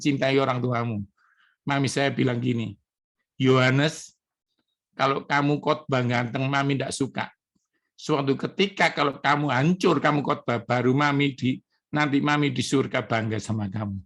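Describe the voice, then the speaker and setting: A man's voice: medium pitch, a bit bright. A middle-aged man from Indonesia, a pastor preaching an emotional testimony sermon to his congregation. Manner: emotional, addresses congregation as brothers and sisters.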